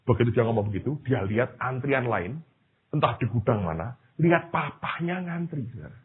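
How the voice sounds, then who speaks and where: A man preaching a sermon as a pastor, telling a story in an animated way and addressing the congregation directly. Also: medium pitch, moderate pace, husky. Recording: tinny, phone-like lo-fi sermon recording.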